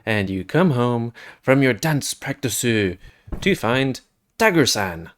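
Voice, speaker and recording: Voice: mid-range voice, lively intonation, slow. A video host giving casual, rambling commentary over gameplay, often searching for words. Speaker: video host reviewing games.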